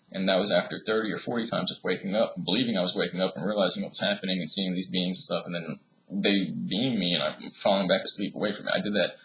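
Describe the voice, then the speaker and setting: A man talking very fast against noticeable background noise. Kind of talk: personal testimony monologue. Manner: slurred, stuttering.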